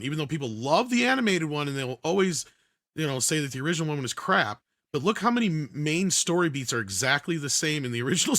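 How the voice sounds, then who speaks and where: Bright-voiced man talking film opinions. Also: fairly high pitch, no room sound, clean studio sound. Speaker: panelist on an entertainment news talk show. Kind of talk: casual opinionated film discussion.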